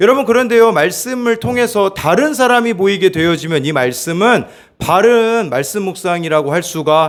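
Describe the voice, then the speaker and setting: His pitch rises and falls across a very wide range. The man's voice is high. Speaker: associate pastor, guest preacher. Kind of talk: sermon. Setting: church revival meeting. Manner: speeds up when nervous.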